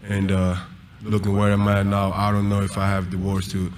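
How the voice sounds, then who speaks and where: A young man, a college basketball player, gives heartfelt postgame press conference answers into a table mic, searching for words and repeating himself. His voice is on the low side and monotone, at a moderate pace. A crowd can be heard in the background of the press conference room.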